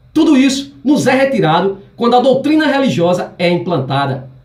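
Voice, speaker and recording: Animated in tone, a man speaks with very wide pitch swings amid audible room echo. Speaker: atheist YouTuber. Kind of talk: monologue to camera. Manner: fast.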